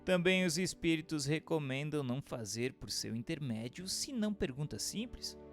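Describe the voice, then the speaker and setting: A man's voice: on the high side, lively intonation, moderate pace. A man with a Brazilian accent reading scripted narration in a formal, didactic way. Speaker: narrator and questioner. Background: music.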